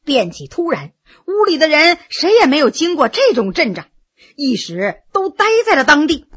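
A woman storyteller with a high, bright voice narrates a dramatic tale. She reads with lively expression, and her pitch swoops up and down as the story moves. It is an animated audiobook narration. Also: normal speed, muffled recording.

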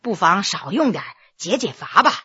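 A woman voicing a quiet, modest middle-aged male official who speaks in a subdued way. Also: mid-range voice, big pitch swings, normal speed, husky, no echo, highs cut off, voice pushed down, heavily acted. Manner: subdued and soft-spoken.

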